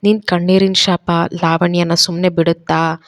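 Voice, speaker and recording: Lady doing a gentle middle-aged aunt in an audio story, soft and sad, lowish and quiet. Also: level tone, a little slow. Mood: sorrowful. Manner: soft, tender, sorrowful.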